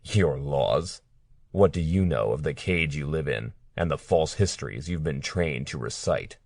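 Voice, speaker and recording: A man voicing a cold, menacing male captor in an audiobook, speaking quietly and mockingly. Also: a bass voice, expressive, unhurried, gravelly, no room sound, studio quality, heavily acted. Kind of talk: audiobook character reading.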